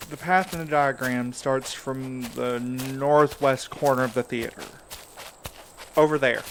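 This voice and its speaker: A determined explorer urging his friends onward. His voice is mid-pitched and plain, earnest and matter-of-fact, in audio drama style. There is a little noise behind him. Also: steady tone, unhurried, a bit bright, low-quality recording. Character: earnest, determined man leading friends on a search. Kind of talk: naturalistic audio drama acting.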